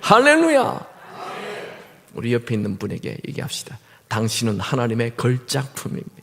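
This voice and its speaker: A middle-aged male guest pastor preaching a sermon in a church, telling humorous stories in an animated way. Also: mid-range voice, fast talker, vocal fry. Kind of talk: sermon with storytelling. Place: church sanctuary. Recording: reverberant church hall.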